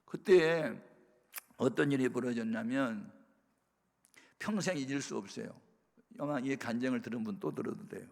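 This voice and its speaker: A male pastor giving a sermon testimony, telling his story with animated bursts of loud emphasis. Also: medium pitch, normal speed, creaky, pauses often. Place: prayer retreat sanctuary. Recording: reverberant worship hall.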